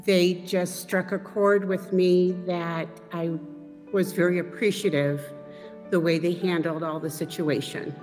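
A woman's voice: lowish voice, steady tone, measured pace, a little mellow. A mother telling in a plain, earnest way about her holiday tradition. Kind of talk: recorded personal testimony. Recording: hall reverb with music underneath.

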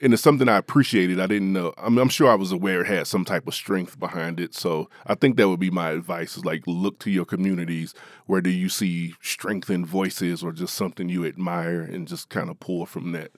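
A man from Appalachia speaks in a low voice as an author being interviewed. He talks in an animated, chatty way, full of fillers and quick laughs. The recording sounds dry and close. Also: dry recording. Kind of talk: interview guest.

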